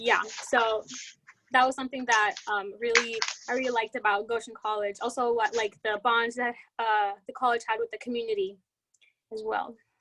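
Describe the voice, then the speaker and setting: A woman with a Spanish accent speaks in a bright, sharp tone at a fairly high pitch, her intonation monotone and flat. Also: moderate pace. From Puerto Rico. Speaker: college student. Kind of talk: panel interview. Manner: hesitant, many fillers.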